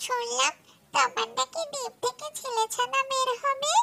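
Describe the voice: In a squeaky, cartoonish character voice, a female-sounding speaker talks at a fairly slow pace.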